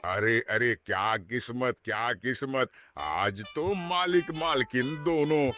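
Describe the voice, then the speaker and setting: A man's voice: medium pitch, slow pace, sharp tone, faint music behind. A man voicing an eager, obsequious cartoon jeweller who repeats himself to please his customers. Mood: eager, fawning. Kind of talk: Hindi animated comedy dubbing.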